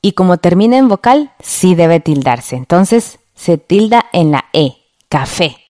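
A woman teaching a radio lesson in a clear, patient way, checking in with the listener. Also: lowish voice, lively intonation, measured pace, warm tone, no echo, studio quality. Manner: clear, patient, asks ¿verdad?.

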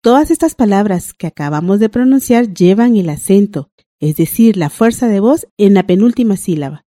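A woman teaching a language lesson on a broadcast, reading out rules and examples in a clear, deliberate way. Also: mid-range voice, lively intonation, warm tone, no echo, studio quality.

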